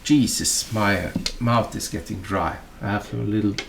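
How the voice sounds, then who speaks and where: In this fly-tying tutorial, a Norwegian man with a Norwegian accent talks in a halting, casual way, sprinkling in fillers and asides. He has a fairly low, gravelly voice, with slight background noise behind him.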